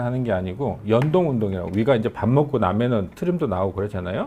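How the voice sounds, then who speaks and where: Lively intonation from a man with a medium-pitched, dark, mellow voice at a fairly quick pace. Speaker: oncology professor giving a health lecture. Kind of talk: lecture. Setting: live lecture. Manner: somewhat halting, many fillers.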